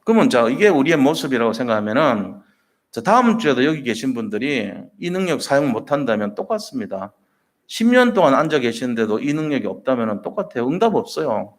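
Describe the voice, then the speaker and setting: A male pastor preaches with a voice that rises and falls a great deal. He tells the story vividly and slips into the voices of the people in it. His pitch sits in a middle range. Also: fast. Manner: lively storytelling, acting out voices in quotes. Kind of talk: sermon.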